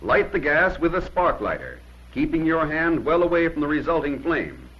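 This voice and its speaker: This is 1950s instructional-film narration by a man whose husky, a bit bright voice makes huge swings in pitch. He speaks at normal speed, giving short, plain-spoken instructions with firm emphasis, on a low-quality old film soundtrack.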